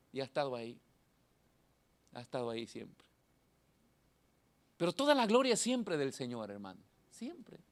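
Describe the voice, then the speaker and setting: A middle-aged male pastor, preaching a sermon in a church hall. He has a thin, nasal voice and swings from shouting to quiet asides. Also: a little high.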